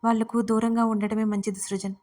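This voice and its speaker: A woman voicing a calm, worried middle-aged mother. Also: fairly high pitch, brisk, natural voice. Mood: earnest.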